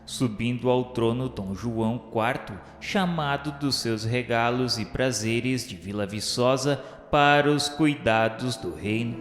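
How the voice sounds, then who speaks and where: A man reading formal, solemn scripted narration for a devotional radio drama. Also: mid-range voice. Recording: echoey reverb, faint music behind. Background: soft music.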